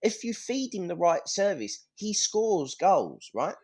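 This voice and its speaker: A man's voice: high-pitched, big pitch swings, slow, darkish tone, breathy edge. Blunt, sweary man chatting football. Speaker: football fan guest on a podcast. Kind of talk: casual football chat.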